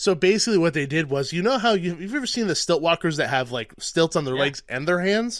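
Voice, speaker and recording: A man speaks at a very fast pace in a high pitch, with lively intonation and hardly any pauses. The sound is dry with no echo, and the background is quiet. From Mexican heritage. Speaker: theme park content creator. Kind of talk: casual chat. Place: home room. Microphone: studio mic.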